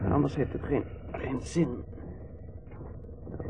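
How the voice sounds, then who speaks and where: An actor playing a talkative, good-natured, dreamy young drifter in a radio play, wry and rambling. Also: male voice, medium pitch, a little slow, creaky. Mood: soothing, chatty. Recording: muffled, noisy old radio play recording.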